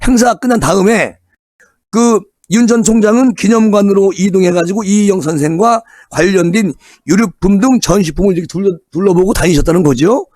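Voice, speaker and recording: A man giving a casual solo political commentary, animated and chatty, sometimes dropping into low muttered asides. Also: a little fast, no room sound, studio quality. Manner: animated, acts out crowd chants in raised voice.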